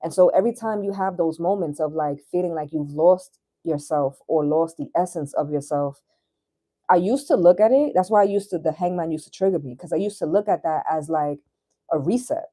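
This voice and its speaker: Speaking fairly quickly in a low, dark voice, a woman in her thirties runs a tarot livestream. Her talk is laid-back and slangy, and she swears now and then.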